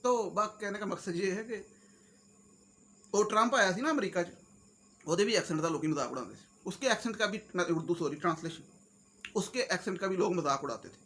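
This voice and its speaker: High, bright-voiced Punjabi-accented man. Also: brisk, a little hiss or hum. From Pakistan. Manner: mixes Urdu, Punjabi and English in a joking, animated, rambling way. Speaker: YouTuber host. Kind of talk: casual comic-motivational monologue.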